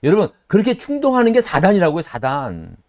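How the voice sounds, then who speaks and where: Man, middle-aged, pastor, lively swooping pitch, dry close recording, rhetorical questions, acts out quoted voices. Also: fast, no echo. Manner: animated preaching, rhetorical questions to listeners. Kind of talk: Bible study sermon.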